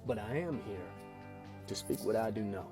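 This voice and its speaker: A Southern US man with a husky voice works through a Shakespeare speech loosely, pausing and restarting. He pitches low and sounds expressive, and music plays in the background.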